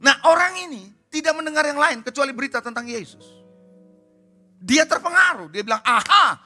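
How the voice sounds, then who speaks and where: Soft music plays faintly as a pastor delivers a brisk, expressive sermon at a church service. His high voice is piercing and very bright, and he drives his points home with a steady stream of rhetorical questions to the congregation.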